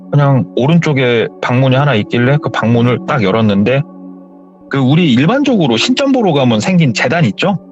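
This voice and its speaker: A man narrating a horror story in a conversational, dramatic retelling style. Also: mid-range voice. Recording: slightly dull sound with faint music.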